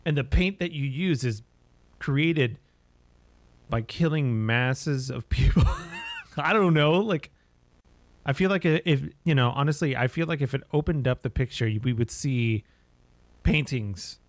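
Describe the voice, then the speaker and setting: A man in his thirties, a streamer, offers casual, half-joking commentary and reactions while playing a horror game. His medium-pitched voice moves at a measured pace with frequent pauses, and there's no echo.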